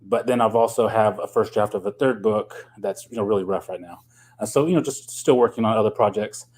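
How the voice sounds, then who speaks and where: A middle-aged man from Oklahoma speaks in a lowish voice, easing through his answers as a novelist guest. He talks loosely, with lots of ums and you-knows. His pitch rises and falls in a lively way. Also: fairly quick. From Oklahoma, USA. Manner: thoughtful, loose, full of um and you know. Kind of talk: casual radio interview.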